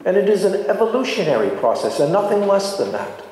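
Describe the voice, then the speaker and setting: A middle-aged man, a priest, giving a sermon in a deliberate, reflective way with pauses between short phrases. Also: sits high, big pitch swings, darkish tone. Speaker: priest preaching a homily. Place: large stone church, indoors. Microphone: microphone on a stand at the lectern. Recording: very echoey church with long reverb.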